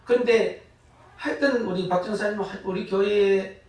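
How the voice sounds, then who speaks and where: A retired pastor, preaching a lively sermon full of laughing asides and sudden loud bursts. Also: male voice, high-pitched, moderate pace. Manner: animated, laughing storytelling with sudden loud rises. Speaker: guest pastor. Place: church sanctuary. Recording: echoey church from far off.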